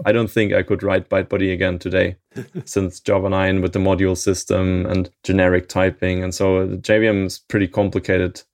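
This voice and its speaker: A man with a low, gravelly voice talks through technical details in a relaxed, conversational way. He speaks in a fairly flat, even tone and often laughs lightly as he explains. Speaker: open source library maintainer, guest.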